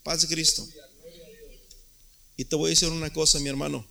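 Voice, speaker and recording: A man delivers a sermon as pastor. His voice sits fairly high for a man, with a gravelly edge and a piercing, bright tone. He preaches emphatically and circles back over his own words. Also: flat delivery, normal speed.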